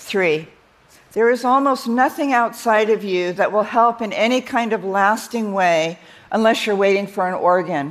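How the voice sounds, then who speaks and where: With an American accent and an ordinary speaking voice, a woman speaks at a fairly high pitch and a moderate pace with ordinary pitch variation. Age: 60s. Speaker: writer giving a talk. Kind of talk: inspirational talk. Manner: humorous, warm delivery.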